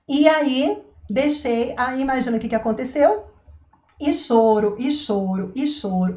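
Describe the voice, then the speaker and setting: Woman, parenting educator, casual vlog talk, chatty and a bit high-pitched, roomy echo. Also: darkish tone. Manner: chatty, asks rhetorical questions, says "né" and "tá" often. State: throat itch, coughs now and then.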